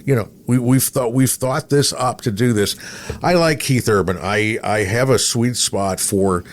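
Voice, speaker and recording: A man's voice: medium pitch, a little slow. An American man in a casual podcast conversation, talking like a radio veteran. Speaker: radio veteran and former music director. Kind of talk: casual chat.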